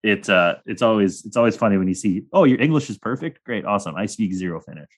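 A man's voice: on the low side, animated, fast talker. A young man hosting a sports podcast in casual chat, rambling and joking with crude humor. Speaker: podcast host.

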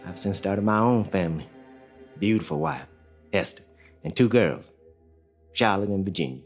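An actor in an audio drama playing a young enslaved father who talks in a calm, plainspoken drawl. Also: low-pitched, moderate pace, soft background music. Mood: steady. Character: young enslaved male father, steady and hopeful.

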